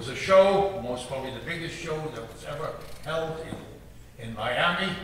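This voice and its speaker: A man talks at a fairly slow pace with ordinary pitch variation. Strong room echo and light background noise fill the recording. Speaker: concert narrator. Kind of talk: anecdotal stage narration. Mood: warm, smiling. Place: stage.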